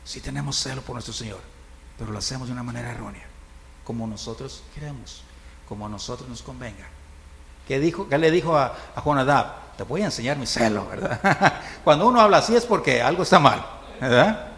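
A man's voice: mid-range voice, lively intonation, fairly quick, creaky, a bit bright. Man preaching in a reverberant church. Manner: conversational preaching, tag questions, chuckles. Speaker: pastor. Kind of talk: sermon. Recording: reverberant hall, faint noise.

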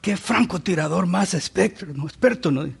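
A man acting out an amazed young man in a sermon story, exclaiming in excitement. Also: sits high, moderate pace, gravelly, breathy edge, full character voice. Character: amazed young man visiting a friend's farm.

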